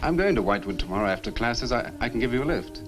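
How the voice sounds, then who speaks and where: A man's voice: medium pitch, sing-song, fast, close to an everyday voice. An actor playing a concerned, sceptical young man in an old horror film. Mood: polite, concerned. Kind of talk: 1960 horror film acting. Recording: old film soundtrack with loud music.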